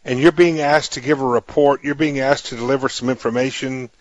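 A man hosting a radio interview, talking in a halting way with many restarts and emphatic asides to his listeners. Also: mid-range voice, fairly even intonation, dry recording, dull audio. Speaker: radio show host. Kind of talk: interview talk.

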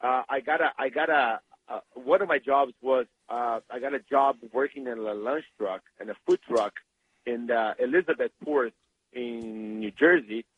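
A man from Brazil with a Brazilian Portuguese accent, a guest in an interview, talking eagerly with many halting restarts. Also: medium pitch, breathy edge. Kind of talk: interview over phone. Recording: tinny phone line.

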